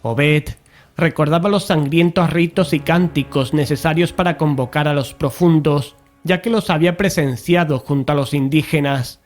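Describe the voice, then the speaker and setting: Higher-voiced Spanish man telling a horror tale as an actor. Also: normal speed, soft background music, lightly acted. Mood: grave, narrative. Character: male investigator recounting a cosmic horror expedition. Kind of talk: scripted audio drama narration.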